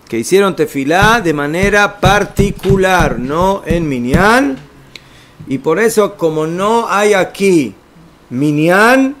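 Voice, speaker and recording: A man teaching an informal religious law lesson, explaining step by step and checking in with his listeners. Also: sits high. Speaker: rabbi teaching a class.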